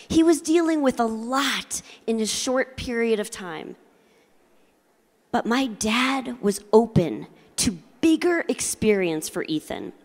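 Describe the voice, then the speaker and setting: A middle-aged woman with a fairly high voice speaks from a convention floor, her words carrying long reverb from the hall. She delivers a motivational keynote as comic storytelling, with theatrical emphasis aimed right at her audience. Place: large convention hall, indoors. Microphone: handheld microphone.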